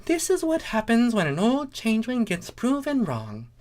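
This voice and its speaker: A woman's voice: fairly high pitch, huge pitch swings, moderate pace, darkish tone, pitched above the performer's own voice. A woman playing a snide female cartoon pony, scolding and sardonic, in a comic story reading. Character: snide female pony, blunt, muttering critic.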